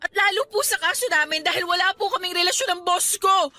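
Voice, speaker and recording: A woman's voice: extremely high pitch, quick pace, pushed and bright, soft background music. An actress playing a wronged young female employee in a radio drama, indignant and assertive while still polite. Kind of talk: Tagalog radio drama acting.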